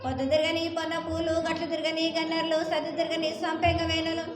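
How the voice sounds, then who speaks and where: A woman's voice: very high-pitched, flat delivery, fast. A woman delivering a ritual prophecy as an oracle, declaiming in short incantatory phrases in a prophetic trance voice. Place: echoing temple festival ceremony. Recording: echoey sound with music behind.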